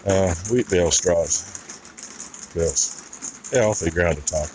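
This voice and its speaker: A man's voice: low-pitched, unhurried, darkish tone, rough recording. A middle-aged man rambling and thinking aloud in a folksy way, talking casually as he does farm chores. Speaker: farmer vlogger. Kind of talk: casual vlog talk while doing farm chores. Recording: noticeable background noise and rattling.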